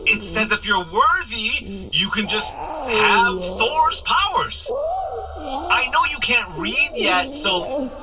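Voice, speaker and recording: A good-hearted, hapless superhero guide in an audio comedy. His voice sits high and swoops freely as he rambles nervously, apologizing and urging the runner on. Music plays behind him. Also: wildly swooping pitch, slow, heavily acted, rough recording. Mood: coaxing. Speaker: actor playing a superhero guide. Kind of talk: comedy audio drama acting, addressing the listener.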